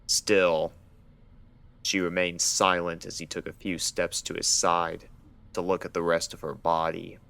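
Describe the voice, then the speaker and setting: A man's voice: deep voice, flat delivery, unhurried, gravelly, a bit bright. A man reading scripted fan fiction as the narrator of a dramatic story.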